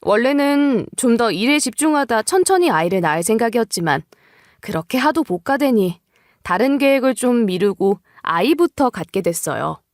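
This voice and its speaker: A woman's voice: a little high, expressive, moderate pace, no echo, studio quality. A woman reading a scripted first-person story as its narrator.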